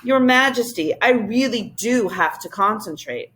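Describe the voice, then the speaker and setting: A woman's voice: fairly high pitch, lively intonation, unhurried, fairly bright tone, a little hiss or hum. Woman doing a busy male professor, weary, clipped, exasperated, polite, storybook.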